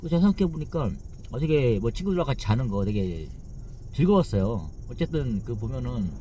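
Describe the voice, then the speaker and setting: A man's voice: medium pitch, sing-song, a little fast, low-quality recording. A man in his forties hosting his own channel, rambling in a casual monologue with lots of fillers. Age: 40s. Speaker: channel host. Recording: loud traffic noise outdoors.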